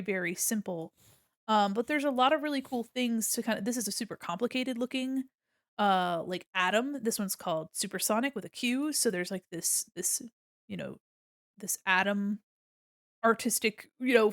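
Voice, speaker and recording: A woman's voice: mid-range voice, no echo. A woman at a home stream walks through logo design references, chatty and loose with plenty of ums. She is a bit sniffly, and her mid-range voice sits close and dry with no room around it. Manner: chatty, many ums and restarts, explaining while drawing. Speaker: streamer giving art critique. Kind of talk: casual art tutorial walkthrough.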